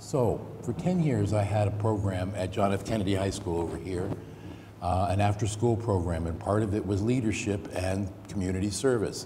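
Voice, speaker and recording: The speech runs at a moderate pace with fairly even intonation. Room echo is audible, and background noise is noticeable. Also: man, fairly low pitch for a man. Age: 60s. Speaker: mental health speaker. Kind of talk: testimony.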